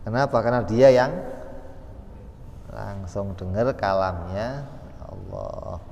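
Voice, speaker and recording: A man's voice: fairly low pitch, slow, gravelly, a little mellow, a little hiss or hum. A man giving an Islamic study lecture in a conversational way, asking questions and answering them himself. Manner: conversational, asks and answers his own questions. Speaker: religious teacher. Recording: long reverb in a hall.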